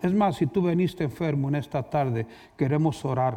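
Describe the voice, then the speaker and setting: A man speaks with a fairly high pitch, a dark, mellow tone and ordinary pitch variation. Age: 60s. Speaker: guest preacher. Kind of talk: sermon. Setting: church.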